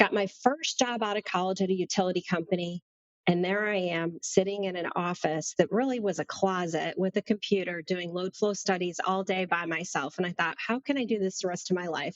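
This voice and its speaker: A woman talks at a fairly quick pace with hardly any pauses and ordinary pitch variation. Hers is an unremarkable speaking voice at a medium pitch. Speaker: regional sales director in industrial automation. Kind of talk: casual interview chat.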